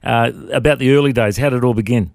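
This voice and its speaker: A man hosting a casual interview, friendly and quick to laugh. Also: medium pitch, creaky, no echo, clean studio sound. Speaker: host.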